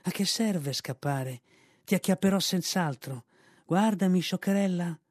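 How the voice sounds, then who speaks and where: A man's voice: high voice, unhurried, no room sound, voice pushed up. Menacing she-cobra, hissing threats, voiced by a man, dry close sound. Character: cruel female cobra, cold and threatening.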